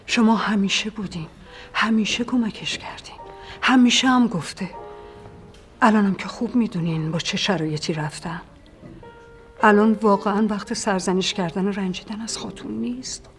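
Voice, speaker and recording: An actress playing an earnest young woman in a period TV drama, pleading softly and urgently. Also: mid-range voice, faint music behind, lightly acted. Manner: earnest, pleading, soft-spoken at times.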